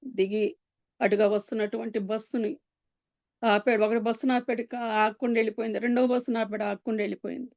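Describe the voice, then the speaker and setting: A woman giving an emotional personal testimony, earnest and pleading, with pauses and many fillers. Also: a little high, fairly even intonation, creaky, a little mellow, no room sound. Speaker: Christian testimony speaker. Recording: dull, dry lo-fi sound.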